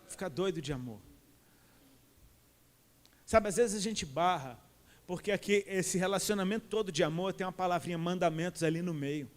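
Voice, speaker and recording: A middle-aged man with a Brazilian Portuguese accent preaching a sermon in an impassioned, colloquial way. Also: on the high side. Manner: impassioned, colloquial, calls listeners "cara". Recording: long reverb of a large hall.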